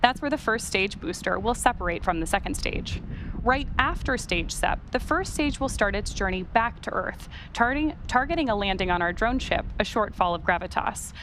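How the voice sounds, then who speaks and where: A woman's voice: medium pitch, lively intonation, normal speed, a bit bright, poor audio. Lady host doing live launch commentary, explains it step by step, bit of noise behind her.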